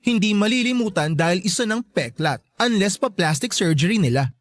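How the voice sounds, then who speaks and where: Actor playing vain sassy gay bestie in a radio drama, super animated, emphatic comebacks, dry sound. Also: female voice, mid-range voice, fairly quick, dry recording, lightly acted. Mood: sassy, indignant. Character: Scar, sassy young gay man, vain best friend. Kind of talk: Tagalog radio drama acting.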